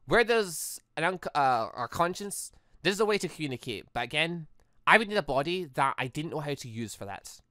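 Gamer reading as troubled android girl, visual novel, hesitant, thoughtful, earnest, lively intonation. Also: medium pitch, normal speed, dry recording, studio quality. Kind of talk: visual novel dialogue read aloud.

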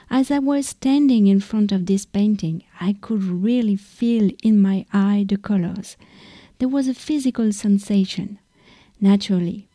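A French woman hosting a podcast for learners, reading calmly and carefully. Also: mid-range voice, no room sound. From France. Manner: calm, careful, unhurried reading. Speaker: podcast host. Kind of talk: slow read-aloud for French learners.

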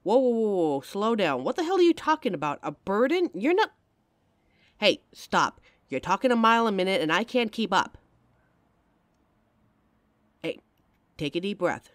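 A woman plays a devoted young girlfriend in an audio roleplay, frank and caring, speaking right to the listener. Her pitch rises and falls a lot as she talks. The sound is dry and close-miked. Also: very animated, normal speed, long pauses, no echo, natural voice. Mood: tender, reassuring. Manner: speaks straight to the listener, intimate and emotional.

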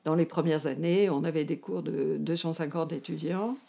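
A woman's voice: sits low, fairly even intonation, moderate pace, creaky, mellow. An older woman with a northern French, Parisian accent recalls her academic career in an interview, hesitantly searching for words. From France. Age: older, seventies or above. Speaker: emeritus anthropology professor, interviewee. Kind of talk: reflective career recollection in a filmed interview. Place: indoors, domestic room, seated.

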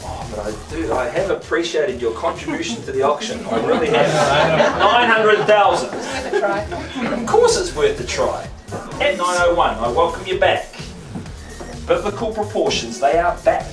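A middle-aged man with a New Zealand accent calling bids at a live property auction, with quick joking banter and rhythmic patter. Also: a little high, big pitch swings, loud music behind the voice. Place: crowded living room of a house for sale. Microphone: far camera, no mic. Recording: echoey room, voice from far off.

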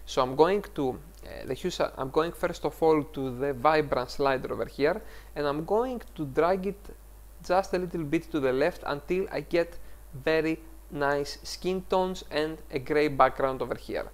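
A man's voice: a little high, moderate pace. A man with a Greek accent hosting a photo-editing tutorial, explaining each step over a screen recording and correcting himself as he goes. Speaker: tutorial host.

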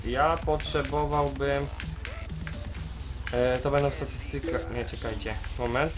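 A young man casually commenting on a farming game as he plays, chatting straight to his viewers and filling pauses with "e". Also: fairly high pitch, a bit bright. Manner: chatty, talks straight to viewers as "mordeczki", many fillers. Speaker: gaming YouTuber. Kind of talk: casual let's-play commentary. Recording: game music faint behind voice.

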